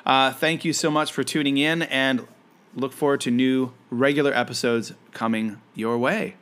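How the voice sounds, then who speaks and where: A man's voice: medium pitch, steady tone, normal speed, fairly bright tone. A man from Canada hosting a casual solo podcast, talking in a friendly, rambling way with many fillers and restarts. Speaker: podcast host; environmental educator.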